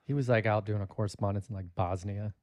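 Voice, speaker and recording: A man co-hosting a casual podcast chat, his voice hoarse in the morning. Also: lowish voice, steady tone, quick pace, darkish tone, dry recording. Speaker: podcast co-host.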